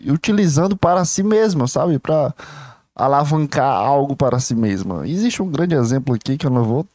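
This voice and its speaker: A young man hosting a solo podcast, thinking out loud in a candid, rambling monologue full of restarts and repeated words. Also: mid-range voice, lively intonation, normal speed, dry recording, clean studio sound. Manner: rambling, stream-of-consciousness with many restarts; candid, self-reflective and confiding. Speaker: podcast host.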